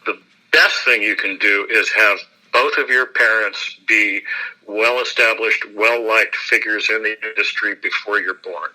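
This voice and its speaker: Bright-voiced actor chatting, laughing easily. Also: male voice, on the low side, a little slow, rough recording. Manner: chatty, self-deprecating, laughs often. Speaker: actor, interview guest. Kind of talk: relaxed interview chat.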